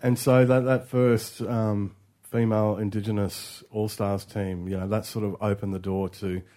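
A man speaks with an Aboriginal Australian English accent. His voice is fairly low and very mellow, with a dark tone. He hosts a radio interview in a conversational way. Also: little pitch movement, moderate pace. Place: radio studio.

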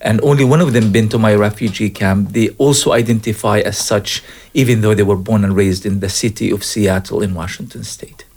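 A middle-aged man who grew up in Gaza answers questions as a radio guest. His voice is low and earnest, and he often breaks off to restart his phrases. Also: fairly even intonation, brisk, a little mellow. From Gaza, Palestine. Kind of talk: interview answers.

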